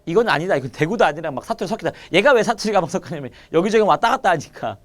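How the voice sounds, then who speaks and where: A man teaching literature in an online exam-prep lecture, repeating key points and firing quick questions at his students. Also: sits high, lively intonation, fairly bright tone.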